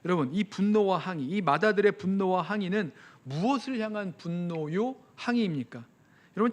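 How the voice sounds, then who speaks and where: A man with a fairly high voice preaches a sermon from the pulpit. He speaks earnestly and acts out the quoted lines as he explains the text to his congregation. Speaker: pastor.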